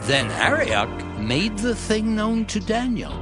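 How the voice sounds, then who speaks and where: A man narrating scripture from a script in a solemn, measured, dramatic style, with music behind him. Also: sits high, big pitch swings.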